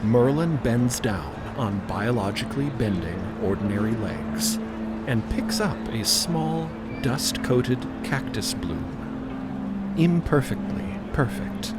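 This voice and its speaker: A man's voice: mid-range voice, expressive, takes it slowly, over loud music. A man narrating a scripted audio drama in a dramatic storytelling style.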